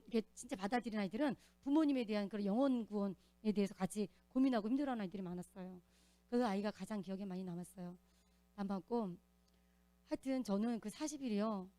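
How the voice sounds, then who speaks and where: A woman giving an earnest, animated testimony as a church deacon, telling her story in a church. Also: medium pitch, quick pace, no echo.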